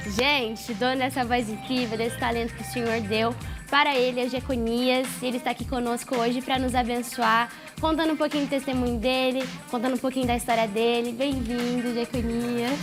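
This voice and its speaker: A woman's voice: on the high side, steady tone, fairly quick, music in the background. A woman co-hosting a youth gospel TV talk show, bubbly and full of praise. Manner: bubbly, giggles and praises often. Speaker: co-host.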